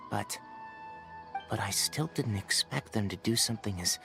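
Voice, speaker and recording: A man voicing a composed, articulate young scholar in a video game, with a measured, thoughtful manner. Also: on the low side, fairly bright tone. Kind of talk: video game character acting.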